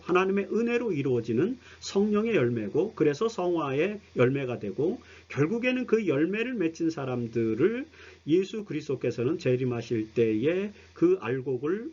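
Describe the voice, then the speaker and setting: A man's voice: a little high, a little mellow, slightly rough, highs cut off. A man teaching a broadcast Bible study lecture, explaining earnestly and speaking straight to his listeners. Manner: earnest explanatory preaching, addresses listeners directly.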